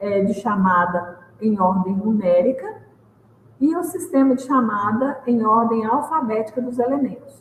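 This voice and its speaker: A woman's unremarkable speaking voice, fairly high in pitch, at a fairly slow pace with ordinary pitch variation. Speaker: librarian.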